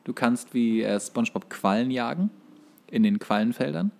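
A man's voice: medium pitch, animated, moderate pace, vocal fry, darkish tone. A man chatting casually as a podcast co-host, explaining things in a hesitant, searching way.

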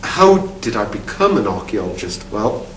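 A middle-aged Geordie man speaks in a lowish voice, answering interview questions about his field with thoughtful pauses and repeated false starts. He sits in a studio with a dark backdrop, caught by a mic set some distance away. The sound is roomy and carries a faint hum. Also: big pitch swings. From Newcastle upon Tyne, England. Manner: thoughtful, many restarts and repeated words. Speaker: archaeology professor.

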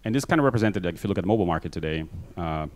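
Fast-talking Brazilian man, deep voice. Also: animated, darkish tone. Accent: Brazilian Portuguese mixed. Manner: fast, filler-heavy, self-deprecating. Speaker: conference speaker. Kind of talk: conference talk. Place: large conference hall stage. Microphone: handheld mic.

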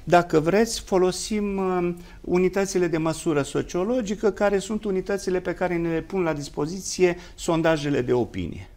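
A man with a Romanian accent speaking as a guest commentator in a formal political discussion, using elaborate, lofty academic phrasing with long pauses. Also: high voice, darkish tone.

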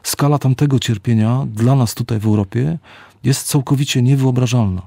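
A middle-aged author and psychologist answers interview questions reflectively and measuredly, slowing down to stress key words. His mid-range voice is gravelly and warm, with no echo.

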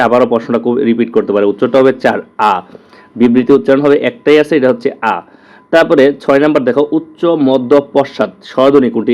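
A man's voice: medium pitch, a little mellow. A man with a Bangladeshi Bengali accent teaching an exam-prep lesson, repeating answers and correcting himself aloud. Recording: dull lo-fi audio.

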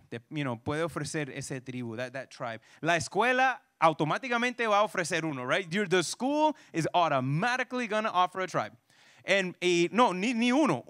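A high, bright male voice leading a parenting workshop for a church audience. He talks casually, restating every point twice and tossing questions to the room. The sound is dry and close, with no room echo. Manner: restates each point twice, switching back and forth; casual fillers like "right?" and "you know".

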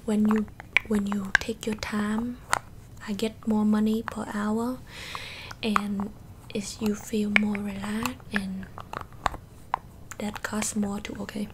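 A woman's voice: mid-range voice, heavy background noise. A young woman in a whispered role-play, voicing a blunt, boastful makeup doctor with a put-on Asian accent and broken English. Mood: brisk, boastful. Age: young adult. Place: small bedroom indoors. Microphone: close desktop microphone with foam cover.

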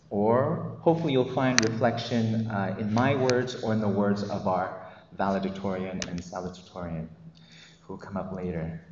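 Teacher, man, 30s, nervous podium speech with filler words, in a big reverberant hall, with faint noise behind. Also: on the low side. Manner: hesitant, many ums and uhs, nervous. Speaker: commencement speaker, math teacher. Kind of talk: commencement speech. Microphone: podium microphone. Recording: echoey hall, dull lo-fi sound.

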